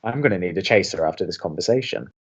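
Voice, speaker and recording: A man's voice: low voice, expressive, fast, breathy edge, muffled recording. A young man acting as a sarcastic, easily exasperated college radio co-host in an audio romantic comedy. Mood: exasperated, baffled. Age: young adult. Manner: dry, sarcastic.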